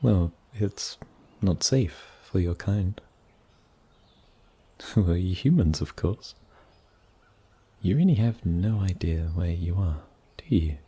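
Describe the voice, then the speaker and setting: A man playing a gentle, wary and kindly forest mage in a fantasy ASMR roleplay, soft-spoken and a little hesitant. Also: deep voice, lively intonation, takes it slowly, long pauses, husky, heavily acted. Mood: puzzled, cautious.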